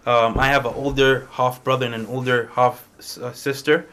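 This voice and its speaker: A man's voice: mid-range voice, flat delivery, moderate pace, a bit bright, smooth. A young man, telling his own story to a small group in an informal, conversational way. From Malawi. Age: young adult. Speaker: international student speaker. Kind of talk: personal testimony to a small group.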